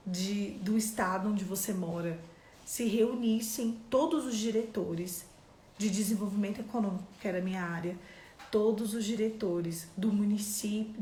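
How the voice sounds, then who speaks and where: A woman's voice: mid-range voice, mellow, slight background noise. Echoey Brazilian woman teaching a devotional. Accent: Brazilian Portuguese. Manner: conversational, addresses viewers directly with questions. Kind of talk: live-streamed devotional teaching. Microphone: phone or computer on a live stream. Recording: echoey room.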